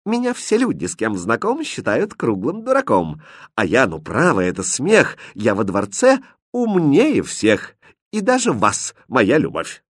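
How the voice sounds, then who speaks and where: Man playing a mocking court jester from a storybook, husky, voice swinging widely. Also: mid-range voice, huge pitch swings, normal speed, dry recording, studio quality. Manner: teasing, playful.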